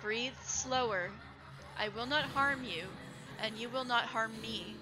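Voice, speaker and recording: A woman playing a calm, gentle young woman who speaks softly and soothingly. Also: on the high side, slow pace, low-quality recording. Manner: soft, soothing.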